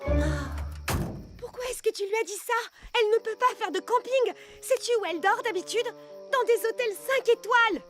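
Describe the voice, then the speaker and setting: A woman's voice: very high-pitched, normal speed. A woman in a French cartoon dub voicing an eager, gushing little girl who is a devoted fan. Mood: fretful, excited. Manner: gushing, formal, eager to please. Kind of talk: French animated cartoon dubbing. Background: background music.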